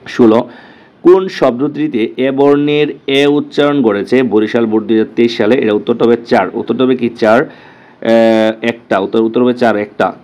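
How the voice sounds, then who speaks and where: A man teaching an exam-prep lesson, quickly going through answers, repeating them and checking with his students. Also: mid-range voice, mellow, lo-fi sound.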